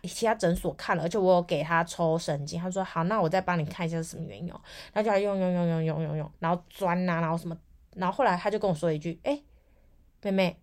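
Brief: young woman, Taiwanese Mandarin accent, podcast host, rapid chatty storyteller with a fairly low voice. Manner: chatty, animated, acts out quoted people. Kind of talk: casual storytelling monologue.

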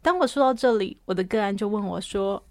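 A woman who hosts a podcast and works as a counselor shares a personal story with animated energy, laughing often and swinging between soft and loud. Her voice is medium-pitched and brisk, in a dry recording.

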